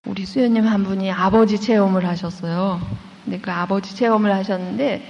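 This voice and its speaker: A woman's voice: mid-range voice, brisk, creaky. Nun lady telling a church story, acts out voices, muffled sound, long hall echo. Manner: lively storyteller who acts out quoted voices. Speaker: Catholic nun giving a lecture. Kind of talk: sermon-style storytelling lecture.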